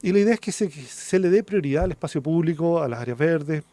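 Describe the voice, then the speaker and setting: Brisk, higher-voiced Chilean man explaining. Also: expressive, warm tone, dry recording. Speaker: academic guest, architecture vice dean. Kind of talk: radio interview, explanatory commentary.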